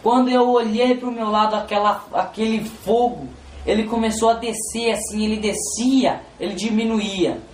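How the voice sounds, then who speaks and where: Brief: man, emotional religious testimony, halting and repetitive, roomy echo. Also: sits high, steady tone, slight background noise. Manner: halting and repetitive, constantly addressing "Senhor". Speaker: testimony giver. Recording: roomy with faint background ambience.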